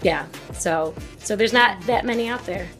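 A woman's voice: mid-range voice, moderate pace, over music. A woman co-hosting a podcast, chatting casually and acting out quoted asides, recorded at a busy conference. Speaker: podcast co-host. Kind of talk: casual chat.

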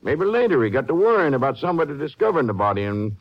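An actor playing a plainspoken, insistent American sheriff in a western radio drama, with a folksy, emphatic delivery. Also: male voice, on the high side, very animated, rapid-fire. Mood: insistent, arguing. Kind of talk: 1950s western radio acting. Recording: dull, band-limited 1950s radio recording.

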